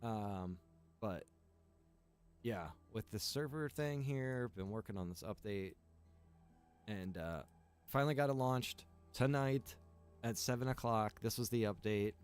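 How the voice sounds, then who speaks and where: A man with a low, smooth and resonant voice chats loosely on a livestream and walks through his game server's new features. He rambles, fills pauses with "uh" and "like", and ticks items off one by one while faint music plays underneath. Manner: rambling, filler-heavy, lists features one by one. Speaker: game server owner and developer. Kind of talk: casual livestream chat.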